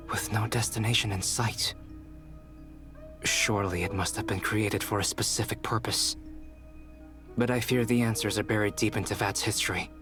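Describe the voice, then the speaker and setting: A man's voice: on the low side, natural voice. A man voicing a grave, formal, contemplative scholar in a video game.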